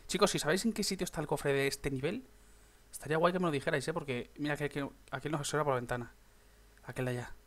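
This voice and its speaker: Excitable young gamer, higher voice. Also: male voice, racing. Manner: chatty, swears, bursts into excited shouts. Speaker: gaming YouTuber. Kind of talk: casual gameplay commentary.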